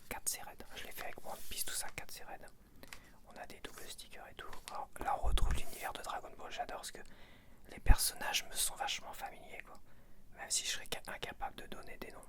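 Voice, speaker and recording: A man speaking in an unvoiced whisper, chatting casually and informally in a rambling, self-correcting ASMR style. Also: a little fast. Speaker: ASMR video creator.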